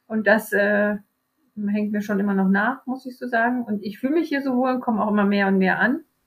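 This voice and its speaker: A woman's fairly high, somewhat breathy voice at a fairly quick pace, with ordinary pitch variation. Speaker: hostel owner. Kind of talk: interview.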